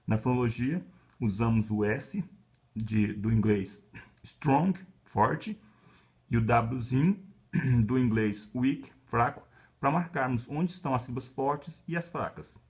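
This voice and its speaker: A male university professor from Brazil with a Brazilian Portuguese accent, explaining a lesson in a calm, measured way and often checking in with little tags. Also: mid-range voice. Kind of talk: explanatory lecture.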